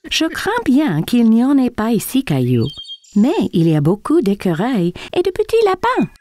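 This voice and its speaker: A woman playing a gentle, attentive mother of a small boy in a children's cartoon. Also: on the high side, huge pitch swings, moderate pace. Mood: caring, reassuring.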